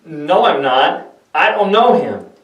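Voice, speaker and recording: A man's voice: a little high, big pitch swings, slow pace, a bit bright, dull audio, voice pushed up, full character voice. A man playing a frightened, defensive disciple in denial, in a dramatic scripture reading. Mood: panicked denial. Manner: agitated, defensive. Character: Peter, frightened defensive disciple denying his friend. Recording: echoey room, distant microphone.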